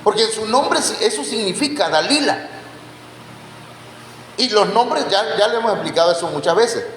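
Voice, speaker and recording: A man's voice: high voice, lively intonation, normal speed, fairly bright tone. A man preaching a Bible teaching sermon, quizzing his congregation with questions and calling them brothers. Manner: addresses listeners as brothers. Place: church hall. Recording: echoey church hall, faint background noise.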